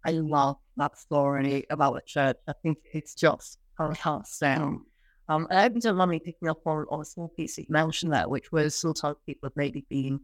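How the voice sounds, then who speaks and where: A woman's voice: low-pitched, fairly even intonation, normal speed, no room sound, poor audio. A woman hosting an interview podcast, talking conversationally in an appreciative way with long lead-ins. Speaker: podcast host interviewing a guest.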